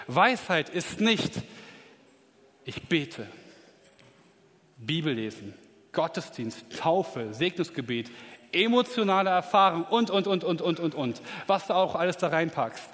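A man preaches a sermon in a somewhat high voice, leaning hard on key words and climbing to excited peaks before dropping low again. The long reverb of a church hall rings around every phrase. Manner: emphatic, rising to excited peaks.

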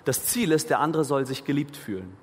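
A man's voice: medium pitch, lively intonation, a little fast, husky. Guy preaching in a church hall, earnest, talks to the crowd, long reverb. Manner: earnest, conversational preaching with questions to the listeners. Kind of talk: sermon.

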